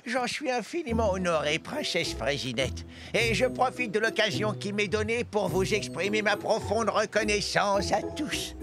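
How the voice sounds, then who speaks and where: A courteous old gentleman from a children's cartoon. His voice sits high and swoops about, with ceremonious, effusive phrasing. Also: animated, normal speed, music in the background. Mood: ceremonious, grateful. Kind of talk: French-dubbed children's cartoon acting.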